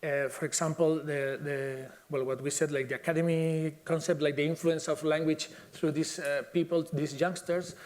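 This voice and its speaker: A man's voice: fairly high pitch, level tone, moderate pace, few pauses, a little mellow. Hesitant man. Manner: hesitant, many fillers and restarts. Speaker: symposium speaker. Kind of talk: conference talk.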